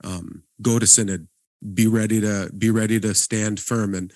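A man's voice: lowish voice, fairly even intonation, moderate pace, a little mellow, no room sound. A man co-hosting a church podcast, talking in an earnest, encouraging way with frequent restarts. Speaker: podcast co-host, guest pastor. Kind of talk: casual podcast conversation.

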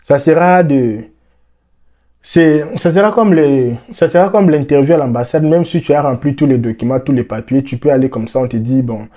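A young Congolese man explaining the news to the camera, with lots of repeated words and fillers, on a lapel mic in a dark room. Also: medium pitch. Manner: animated, repeats words, many "euh" fillers. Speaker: vlogger.

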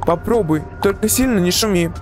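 A woman's voice: medium pitch, brisk, darkish tone, soft background music, voice pushed down, close to an everyday voice. A woman voicing a sceptical but concerned young man in a horror text-message story. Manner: questioning, mildly exasperated.

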